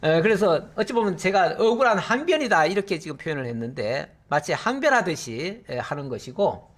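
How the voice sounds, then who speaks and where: A middle-aged man preaching as a pastor, his higher voice swinging widely up and down as he explains a Bible passage. He talks in an easygoing, conversational way, dotted with short fillers, and slips into the speakers' words when he quotes them. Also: very animated, brisk. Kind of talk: verse-by-verse Bible teaching.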